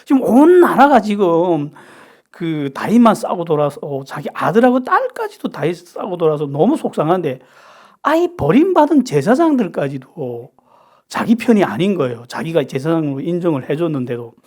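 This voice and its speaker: Lively North Korean-born pastor preaching. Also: male voice, on the high side, normal speed. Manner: lively, asks the audience rhetorical questions. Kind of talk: sermon, Bible study.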